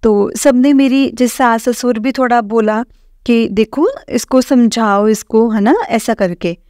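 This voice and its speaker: A young woman with a fairly high voice tells her story to a congregation, earnest and conversational, full of little fillers. The sound is dry and close. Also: dark tone, no echo. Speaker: satsang devotee sharing her story. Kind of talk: personal testimony told to a congregation.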